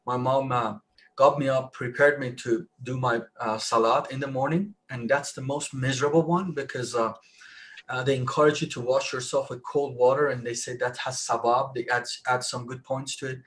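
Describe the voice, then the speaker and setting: Man, Persian speaker, live online discussion, halting, restarts often, mid pitch. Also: steady tone, a bit bright. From Iran. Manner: halting, many restarts, rising emphasis. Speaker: panelist.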